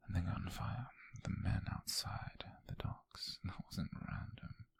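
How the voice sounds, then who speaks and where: A British man playing a possessive, obsessive mafia kidnapper in an ASMR roleplay, speaking slowly in a breathy, husky whisper with a menacing tenderness. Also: low voice, exaggerated voice. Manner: slow, deliberate, menacingly tender.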